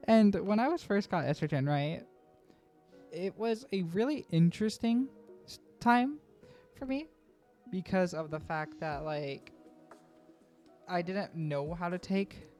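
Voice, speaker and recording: A woman's voice: sits low, darkish tone. A trans woman vlogger rambling through a casual voice-over, often tagging "right?" and laughing between thoughts. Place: home voice-over recording.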